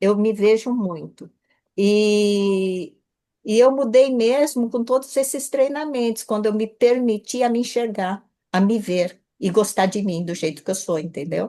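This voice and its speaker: Her voice fairly high in pitch with a dark, mellow tone, a woman talks at a fairly slow pace with ordinary pitch variation. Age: 70s. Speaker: study group leader. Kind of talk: casual group conversation.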